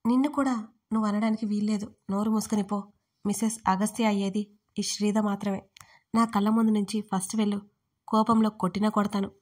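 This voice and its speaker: A woman's voice: mid-range voice, level tone, fairly quick, lightly acted. A woman voicing a bossy, possessive young man who teases and threatens in an audio story. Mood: angry. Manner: teasing, then threatening.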